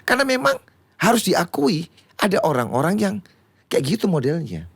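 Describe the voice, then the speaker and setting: A man, a pastor teaching in a lively conversational way who acts out quoted voices. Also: sits high, normal speed, vocal fry, husky, no echo. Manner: animated, acts out quoted voices, repeats words when excited. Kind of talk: conversational teaching on a church talk show.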